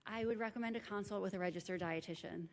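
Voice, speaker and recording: A woman's voice: mid-range voice, fast talker, darkish tone. A woman dietitian explaining diet advice practically and answering audience questions. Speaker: dietitian speaker. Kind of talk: conference talk with audience Q&A. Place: large conference hall. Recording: echoey conference hall.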